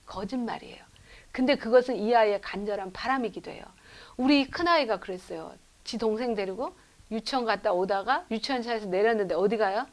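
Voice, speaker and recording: A middle-aged woman lectures on raising children in faith, her voice sitting a little high. She tells family stories in a lively way and keeps asking her listeners questions. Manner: lively storytelling with rhetorical questions to the audience; acts out children's lines in quotes. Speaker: professor lecturing at a lay school. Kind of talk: church education lecture.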